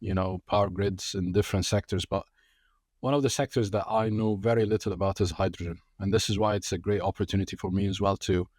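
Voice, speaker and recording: A man's voice: deep voice, fairly even intonation, quick pace, darkish tone, no echo, clean studio sound. A man hosting a podcast interview, curious and encouraging toward his guest. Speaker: podcast host. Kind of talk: conversational interview.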